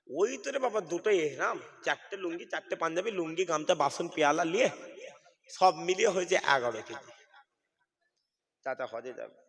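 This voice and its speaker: A man's voice: a little high, gravelly, long reverb tail. A man preaching a fiery sermon under a tent, calling out questions to the crowd. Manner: calls out to the audience, asks questions and shouts. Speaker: preacher at a religious gathering. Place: tented outdoor gathering.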